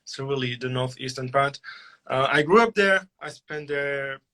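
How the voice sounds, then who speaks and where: Bright-voiced man on a call. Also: mid-range voice, moderate pace. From France. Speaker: guest musician. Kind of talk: interview conversation.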